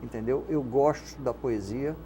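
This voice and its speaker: Faint background noise sits under a casual interview with an older man from Rio de Janeiro who manages a radio station and writes poetry. He speaks Carioca Brazilian Portuguese in a mellow, medium-pitched voice at a measured pace, rambling reflectively and often ending with "né?".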